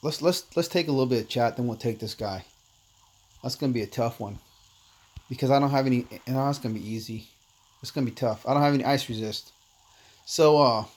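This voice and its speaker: A man born in Korea, first language Korean, casually chatting with viewers while streaming a mobile game. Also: medium pitch. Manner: laid-back, chatty, calls viewers "man", reads chat aloud. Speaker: livestream host. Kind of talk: casual gameplay livestream chat.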